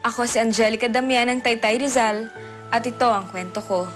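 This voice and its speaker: An actress playing a poor young Filipino vendor, big-sisterly and regretful in love, in a naturalistic television drama. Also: female voice, fairly high pitch, fairly quick, soft background music, natural voice. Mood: wistful, regretful.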